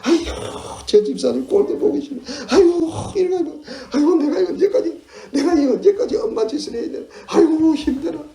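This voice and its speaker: A man voicing a whining, nagging middle-aged woman who sighs and complains loudly. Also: big pitch swings, slow pace, pauses often, recorded from a distance. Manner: shrill, exasperated sighing complaints. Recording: echoey hall with faint noise.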